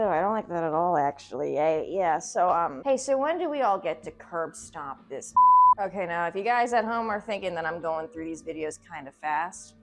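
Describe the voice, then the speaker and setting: A woman doing casual, joking video commentary, sarcastic, irreverent and profane, with a theatrical streak. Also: lowish voice. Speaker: video essay host. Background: background music.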